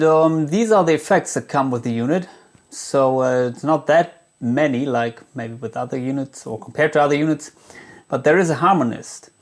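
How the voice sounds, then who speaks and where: Man giving a halting gear tutorial. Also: medium pitch. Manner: halting, hesitant delivery with many filled pauses. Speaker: guitar gear demonstrator. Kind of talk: casual tutorial talk.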